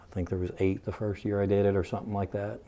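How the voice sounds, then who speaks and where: A man's voice: lowish voice, level tone, quick pace, mellow. A man giving casual interview answers in a plain-spoken, matter-of-fact way. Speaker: interview guest, charity plunge participant.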